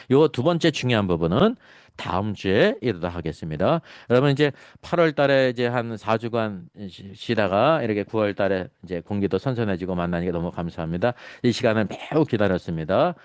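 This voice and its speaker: A man's voice: sits low, no room sound. A man teaching a Bible study as pastor, asking his listeners questions and answering them himself. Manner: drops to a soft, quiet tone when greeting members. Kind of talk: Bible lecture to a congregation.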